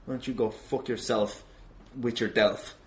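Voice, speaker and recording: A man's voice: mid-range voice, steady tone, normal speed, a little hiss or hum. A man hosting a wrestling podcast, arguing indignantly and comically with plenty of swearing. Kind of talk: improvised comedic argument on a podcast.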